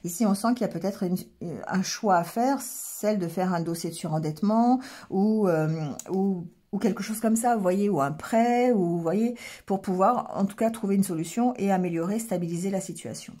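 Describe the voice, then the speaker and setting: A hoarse woman giving a tarot reading to her viewers, hesitant, with many fillers and restarts, clearing her throat often and checking in with the listener. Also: medium pitch, normal speed, mellow. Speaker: tarot card reader.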